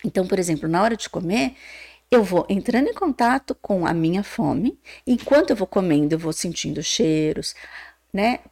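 Lively gravelly Brazilian woman psychologist. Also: fairly low pitch, moderate pace. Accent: Brazilian Portuguese. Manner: animated, acts out quoted voices, many "né?" tags. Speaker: psychologist guest. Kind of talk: explanatory podcast chat.

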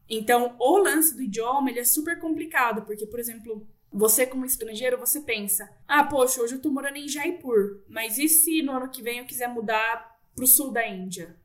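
Woman, guest, chatty and animated, higher voice, a bit off-mic. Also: distant mic. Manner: chatty, animated, frequent fillers and quoted asides. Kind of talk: casual interview storytelling.

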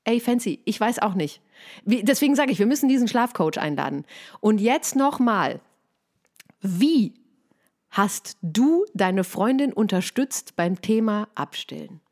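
A woman in her thirties co-hosting a casual chat, telling a story in a lively way and acting out the people she quotes. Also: medium pitch, measured pace. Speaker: podcast co-host.

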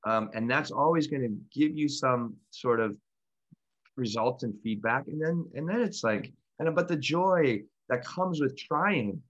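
Podcast co-host, male, mid-pitched voice, loose rambling delivery with lots of restarts and laughs. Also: a little slow, dull audio. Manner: rambling, animated, laughs often, many restarts. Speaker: podcast co-host and meditation teacher. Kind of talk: casual conversational podcast chat.

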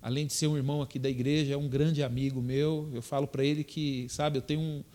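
A man's voice: mid-range voice, little pitch movement, fast talker, mellow. An older man, a pastor telling a testimony story in a sermon, often turning to the congregation and repeating himself as he goes.

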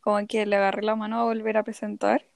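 A young woman from Chile with a Chilean Spanish accent, co-hosting a podcast in casual chat. She tells her stories in an animated way and acts out the quotes. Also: mid-range voice, quick pace, vocal fry, dry recording. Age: young adult. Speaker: podcast co-host.

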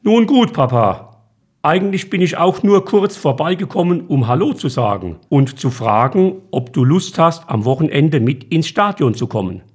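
A man's voice: on the high side, animated, normal speed, darkish tone, breathy edge. A man reading a story aloud, voicing the narrator's grown-up son with a lifted, eager voice. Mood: cheerful. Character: young adult son, worried then cheerful.

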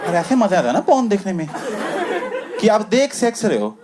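A male stand-up comedian tells a self-mocking story in a lively, swooping voice that sits a little high. A roaring audience and loud noise surround him on a live comedy stage. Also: a little fast. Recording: live show with loud crowd laughter.

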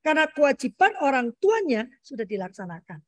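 A middle-aged woman speaking as a parenting guest in a casual interview, animated and explanatory, often ending her points with "gitu ya" and addressing the host as "Pak". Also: sits high, a little fast. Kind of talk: conversational interview talk.

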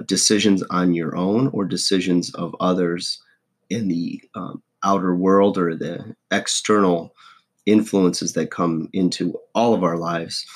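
A low, hoarse, husky man in his forties hosts a motivational video podcast, delivering a casual, folksy monologue. He's self-deprecating, clears his throat, and keeps checking in with "okay?" and "right?".

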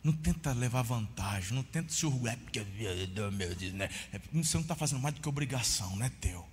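A Brazilian man preaching a sermon as pastor, telling a story with lively swings and shouting at the peaks, often calling listeners brother. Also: medium pitch, fast talker, long reverb tail, slight background noise.

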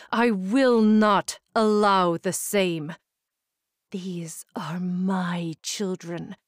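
A woman voicing a cursed female gorgon with snakes for hair, speaking soft, low and menacing. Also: dry recording, studio quality, close to an everyday voice.

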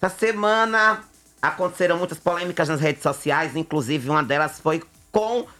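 A man's voice: a little high, normal speed, pushed and bright. A man presenting celebrity gossip on radio in a campy, chummy way, addressing listeners affectionately. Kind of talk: chatty celebrity gossip segment. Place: radio studio.

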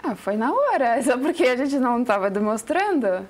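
A woman with a Russian accent chats as a guest on a TV talk show. Her voice sits a little high. She keeps her phrasing simple and searches for words in a language that is not her first. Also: sing-song, normal speed. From Russia, Ural Mountains. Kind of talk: casual interview answers. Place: TV studio.

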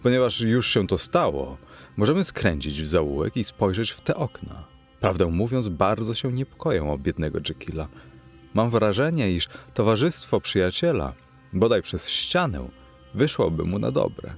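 Grave old lawyer in a storybook reading, earnest and troubled, a man doing the voice, very deep tone with lively, rising and falling intonation. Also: normal speed, breathy edge, soft background music, exaggerated voice. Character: gloomy elderly male lawyer, anxious and earnest.

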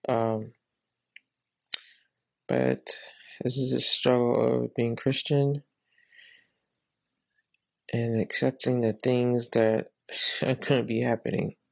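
A woman with a drawl talks casually into a close mic, her voice gravelly and full of vocal fry. She rambles earnestly and often restarts her sentences. The recording is dry and a little dull. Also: extremely low pitch, slow, long pauses, no room sound. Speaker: podcast host. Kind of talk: casual spoken retelling of a dream.

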